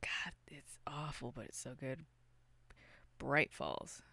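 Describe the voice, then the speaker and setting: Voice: medium pitch, animated, slow pace, creaky, bright, forceful tone, no echo, in a whisper. A podcast co-host chatting casually about films in a loose, rambling, unscripted way. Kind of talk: casual unscripted film discussion.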